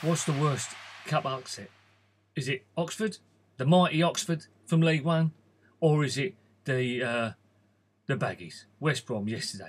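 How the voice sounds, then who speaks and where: A man with a fairly high pitch and lively intonation talks at a moderate pace in a somewhat breathy voice. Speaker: football fan. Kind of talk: casual fan opinion. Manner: animated. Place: home room. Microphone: video call.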